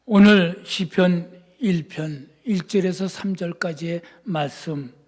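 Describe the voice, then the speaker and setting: High-voiced pastor preaching in a reverberant church. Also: male voice, takes it slowly. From Seoul. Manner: swings from fervent shouting to hushed, soft-spoken asides. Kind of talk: sermon. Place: church sanctuary. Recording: long reverb in a church sanctuary.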